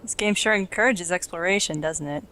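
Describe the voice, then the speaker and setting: A woman's voice: fairly low pitch, fairly quick, bright, forceful tone, slight background noise. A woman hosting a let's play, casually explaining game mechanics in a playful, giggly way.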